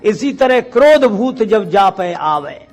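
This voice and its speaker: A man with a high voice delivers a Hindu devotional sermon in a storyteller's style. He asks rhetorical questions, dramatizes dialogue and recites lines of scripture. Music plays faintly behind him. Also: lively intonation, slow, some chatter behind. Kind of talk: devotional discourse retelling Ramayana episodes.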